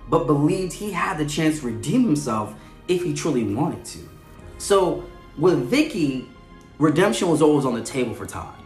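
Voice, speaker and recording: A man hosting a podcast with casual, analytical commentary, conversational and often checking in with the listener. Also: on the high side. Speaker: podcast host. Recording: echoey room with faint music.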